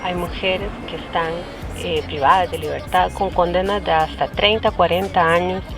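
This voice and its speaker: A woman with a Salvadoran accent presenting on a feminist radio station in a clear announcer style. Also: lowish voice, fairly even intonation, moderate pace, music in the background. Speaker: radio host.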